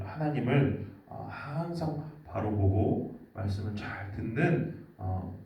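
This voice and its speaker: A man's voice: medium pitch, dark tone, roomy sound, recorded from a distance. A man giving a children's sermon, telling a story and quizzing the kids with questions. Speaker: children's ministry preacher.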